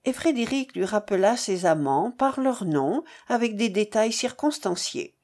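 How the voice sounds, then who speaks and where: A woman narrating a novel in an expressive, measured reading. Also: mid-range voice. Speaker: audiobook narrator.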